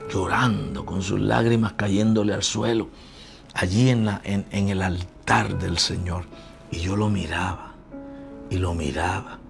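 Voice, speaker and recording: Puerto Rican pastor preaching conversationally. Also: male voice, on the low side, gravelly. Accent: Puerto Rican Spanish. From Puerto Rico. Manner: conversational preaching, acts out dialogue with his family. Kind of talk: sermon.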